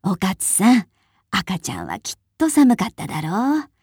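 A woman voicing a kindly old village grandmother in a storybook, speaking in a gentle, fussing manner. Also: mid-range voice, huge pitch swings, normal speed, husky, no room sound, studio quality, heavily acted.

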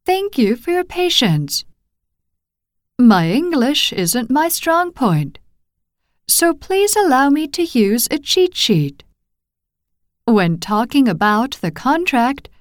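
A woman reading example phrases for English learners, slow and clearly enunciated. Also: sits high, big pitch swings, dry recording, clean studio sound. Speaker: phrase reader.

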